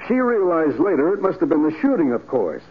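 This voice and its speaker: An actor playing a blunt, insistent police sergeant in 1940s radio drama style, with a brusque, accusing manner. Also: male voice, on the high side, big pitch swings, fairly quick, slightly rough. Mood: matter-of-fact. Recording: tinny 1940s radio recording.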